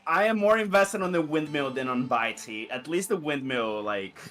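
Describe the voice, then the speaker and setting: A man's voice: on the high side, expressive, moderate pace, a bit bright, soft background music. A man co-streaming a game, trading wisecracks, swearing and asking puzzled questions. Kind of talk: casual let's-play banter.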